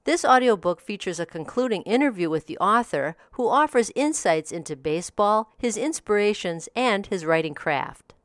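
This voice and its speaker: A woman's voice: medium pitch, expressive, moderate pace, no room sound, clean studio sound. A woman hosting a daily audiobook review podcast, reading a scripted review with a polished delivery.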